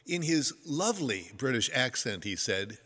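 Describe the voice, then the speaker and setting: A man's voice: mid-range voice, sing-song, moderate pace, pushed and bright, in a large hall. An older man giving a sermon to a congregation, telling stories in a folksy, self-deprecating way. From United States. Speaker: pastor.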